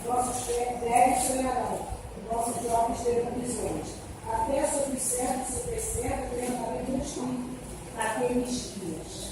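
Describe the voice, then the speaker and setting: A woman's voice: on the high side, moderate pace, heavy background noise. A woman reading Bible verses aloud for a church class, careful with small slips. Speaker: scripture reader. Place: church hall. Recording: echoey hall from far off.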